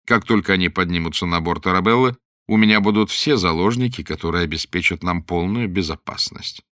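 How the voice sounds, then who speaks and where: A man voicing a calm, dryly ironic pirate captain in a storybook reading. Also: low-pitched, fairly quick, no echo, clean studio sound.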